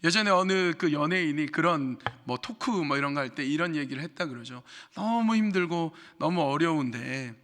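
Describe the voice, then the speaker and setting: A middle-aged man delivering a sermon as pastor, his voice fairly high and forceful, carrying a long hall reverb through the sanctuary. He speaks straight to the congregation, asks them questions, and slips into other voices to act out quoted speech. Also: lively intonation, moderate pace, few pauses. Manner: addresses the congregation directly with rhetorical questions. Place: church sanctuary.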